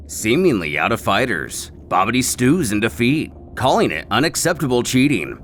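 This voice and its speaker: Guy narrating a scripted recap, dramatic and lively delivery, bit of music behind him. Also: mid-range voice. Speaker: narrator of a fan comic recap series.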